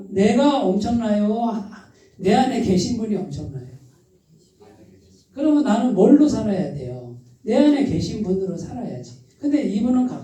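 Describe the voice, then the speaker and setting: A man's voice: high-pitched, mellow. A man preaching a sermon as pastor, speaking with emphasis and putting rhetorical questions to the congregation. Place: church sanctuary. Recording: very echoey church hall, voice from far off.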